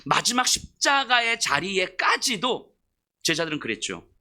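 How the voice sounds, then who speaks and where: A man preaching a sermon as pastor, telling the story in an animated way and putting questions to his congregation. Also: sits high, unhurried.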